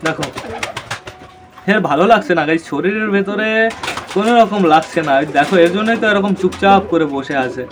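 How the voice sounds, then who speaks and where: A man's voice: sits high, fairly quick, noisy background. A man in a casual vlog, chatting to his viewers about his pet pigeons from a rooftop and coaxing the birds as he goes. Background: pigeons cooing.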